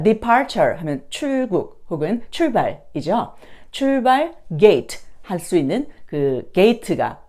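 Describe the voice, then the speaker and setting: A woman with a fairly low voice and very varied intonation teaches a language lesson. She explains politely, step by step, and sets out example phrases clearly for learners to practise. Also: darkish tone. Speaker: English teacher and video host.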